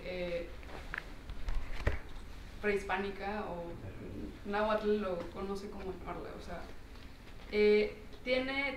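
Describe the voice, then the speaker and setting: A woman, casually asking a question and searching for her words. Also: mid-range voice. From Mexico. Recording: echoey room, distant mic, clear noise.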